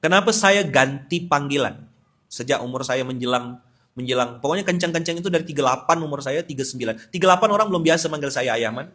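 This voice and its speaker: A man, preaching a lively, humorous sermon with sudden loud emphatic bursts. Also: medium pitch, quick pace. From West Kalimantan, Indonesia. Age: 40s. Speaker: Islamic preacher. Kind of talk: sermon at a dawn study gathering.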